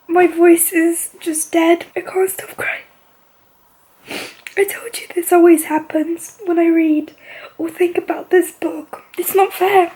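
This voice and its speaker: Young woman gushing on her vlog, high voice, bit of vocal fry, lots of "like". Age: young adult. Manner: gushing and chatty, peppered with "like". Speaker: book vlogger. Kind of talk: casual vlog chat.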